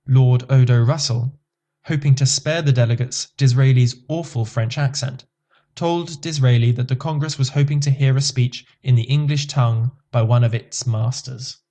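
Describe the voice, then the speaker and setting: A man reads an encyclopedia article aloud as scripted narration. His delivery is even and measured. The voice sits at a middle pitch with a mellow, warm tone.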